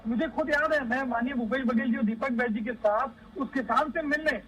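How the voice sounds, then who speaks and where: A man with a very high voice argues as an opposition spokesperson on a news debate. He is combative and keeps putting accusing questions to the other side. The remote link carries a faint noise behind him. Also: moderate pace, fairly bright tone, rough recording. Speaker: opposition party spokesperson on a TV panel. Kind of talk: political TV debate.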